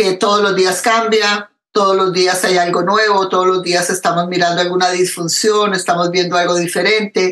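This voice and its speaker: Monotone, flat intonation from a woman at medium pitch, with very even loudness and a moderate pace. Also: hardly any pauses. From Colombia, Bogotá. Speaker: psychologist and sexologist. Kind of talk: interview conversation.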